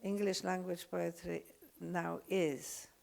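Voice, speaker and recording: An older woman with a Polish accent, lecturing unscripted, halting often with fillers and restarts. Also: lowish voice, flat delivery, vocal fry, darkish tone. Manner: hesitant, many fillers and restarts.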